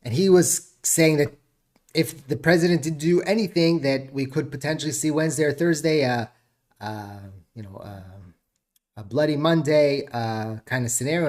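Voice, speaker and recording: A man's voice: medium pitch, normal speed, darkish tone. A man hosting a casual crypto news show, rambling and chuckling as he talks, his nose stuffed up. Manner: rambling, chuckling, self-interrupting. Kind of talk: casual market commentary.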